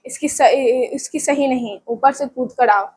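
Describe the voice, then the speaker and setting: Woman reading as a tired poor village farmer guy, kinda high voice, talks plain and easy. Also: measured pace, slightly rough. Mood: coaxing. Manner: plain, lightly acted, conversational.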